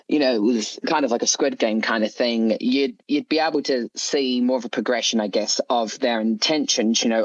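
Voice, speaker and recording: A man talks informally as a podcast guest. His voice is medium in pitch, and the recording is a little lo-fi and muffled. He explains things in a loose, conversational way. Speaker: interview guest, story author. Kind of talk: casual interview chat.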